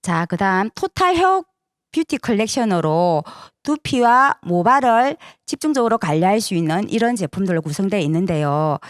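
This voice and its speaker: A woman's voice: mid-range voice, very animated, normal speed, no echo, clean studio sound. A woman presenting a sales seminar to an audience, persuasive, often asking for agreement with short tag questions.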